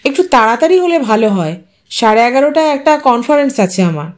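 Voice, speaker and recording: A brisk, dismissive modern wife in an audio story, voiced by the woman narrating. Her tone is cool and matter-of-fact, and she sounds impatient with old ways. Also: a little high, big pitch swings.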